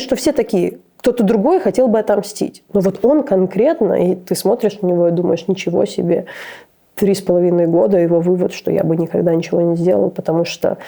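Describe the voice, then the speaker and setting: A woman's voice: fairly low pitch, gravelly, mellow. A woman telling a story in conversation, searching for words and restarting her sentences. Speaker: interview guest.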